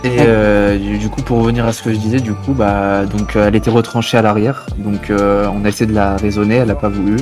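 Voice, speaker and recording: A man's voice: lowish voice, level tone, quick pace, hardly any pauses, over music, natural voice. A man playing a police officer in an online game roleplay, giving a hesitant, matter-of-fact defensive account. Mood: defensive, factual.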